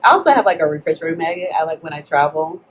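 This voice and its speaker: A woman chatting casually about makeup and fragrance, playful and quick to laugh. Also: low-pitched, expressive, slight background noise. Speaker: beauty channel host.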